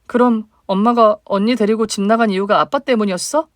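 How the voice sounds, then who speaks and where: A woman's voice: medium pitch, steady tone, a little fast, no room sound, clean studio sound, lightly acted. A woman voicing a hurt young single mother, the younger sister, speaking plaintively in a dramatized story. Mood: shocked, tearful. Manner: plaintive, emotional questioning.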